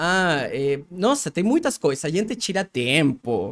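Fairly slow speech in a Chilean accent against a quiet background. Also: man. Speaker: pet groomer and reality show creator; reality show creator. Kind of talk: interview. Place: studio. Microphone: studio mic.

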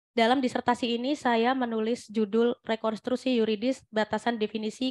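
Against a quiet background, a woman speaks fairly quickly at a fairly high pitch with a monotone, flat intonation. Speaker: doctoral candidate, public prosecutor; candidate. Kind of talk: dissertation defense presentation. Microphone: headset.

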